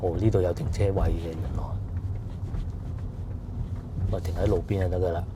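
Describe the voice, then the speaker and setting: A man's voice: low voice, little pitch movement, normal speed, noisy background. A man with a Cantonese accent giving rambling, casual vlog narration while riding through streets outdoors. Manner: chatty, rambling with fillers. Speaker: food vlogger.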